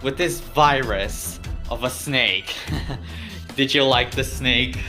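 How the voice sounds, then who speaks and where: Man as a gloating, bright-voiced cartoon villain hacker. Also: mid-range voice, slow pace, faint music behind. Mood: smug threatening. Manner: gloating, taunting. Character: gloating young male cartoon villain hacker, cackling and taunting. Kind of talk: fan parody cartoon dub.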